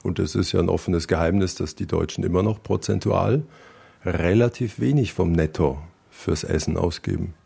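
A man's voice: sits low, moderate pace, gravelly, warm tone, husky. A man hosting a radio talk interview on location, asking wry, probing questions. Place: on location by a lake.

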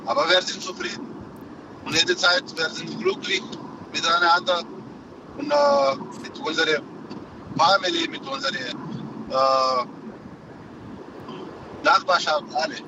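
Young man, Afghan accent, halting speech, distant muffled phone, loud car noise. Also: a little high, very animated. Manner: simple, halting German. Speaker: caller's adopted son.

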